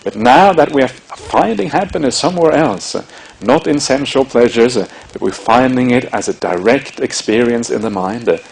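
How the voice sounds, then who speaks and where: A man with a Norwegian accent giving a measured, explanatory Buddhist dharma talk, with frequent hesitations. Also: medium pitch, animated, gravelly, low-quality recording. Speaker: Buddhist monk teacher.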